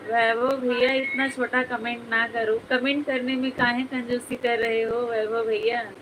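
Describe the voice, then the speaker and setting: A woman's voice: fairly high pitch, little pitch movement, unhurried, fairly bright tone, a little hiss or hum, low-quality recording. A woman hosting a casual live stream, chatting with viewers, reading their comments aloud and teasing them by name, often breaking into giggles.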